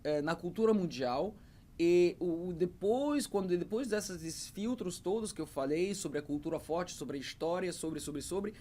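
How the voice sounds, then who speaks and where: A man's voice: high voice, moderate pace, darkish tone. Guy in his 30s teaching english on camera, keeps saying uh and repeating himself, faint noise behind. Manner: hesitant, with frequent fillers and repeated words. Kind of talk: talking to camera about learning English.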